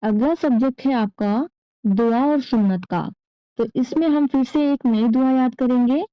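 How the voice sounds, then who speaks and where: A woman's voice: high voice, no room sound. Woman, children's recitation teacher, dry close sound with dull lo-fi audio. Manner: patient, drawn-out syllables when reciting. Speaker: religious teacher for young children. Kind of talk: slow recitation lesson with repetition.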